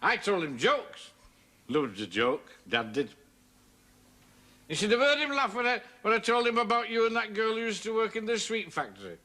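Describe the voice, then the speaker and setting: A man's voice: high-pitched, sing-song, moderate pace, pushed and bright, exaggerated voice. An actor playing a mocking, boozy black-sheep brother who works as a commercial traveller. He is cheeky and taunting and laughs at his own jokes. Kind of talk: 1970s TV sitcom acting.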